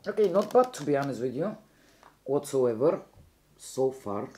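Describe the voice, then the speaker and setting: A woman's voice: extremely low pitch, very animated, normal speed, warm tone. A young woman from Bulgaria with a Bulgarian accent, chatting casually through a makeup tutorial and often correcting herself mid-sentence. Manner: chatty, rambling, self-correcting. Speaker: beauty vlogger.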